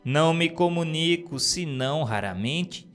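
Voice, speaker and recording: A man voicing a solemn divine male spirit who preaches in a grave, measured, declamatory way, with faint music underneath. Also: on the high side, expressive, smooth. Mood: solemn, exhorting. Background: soft music.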